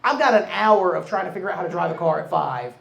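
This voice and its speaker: A man's voice: sits high, lively intonation, fast, creaky, a bit bright, reverberant, dull audio. A man telling a crude, profane, self-mocking story at a live storytelling show.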